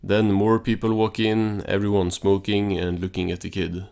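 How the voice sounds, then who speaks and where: A man with a low voice talks through a recap like a casual reviewer. His delivery is offhand and understated, moving between narration and his own commentary. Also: little pitch movement, moderate pace, creaky, darkish tone.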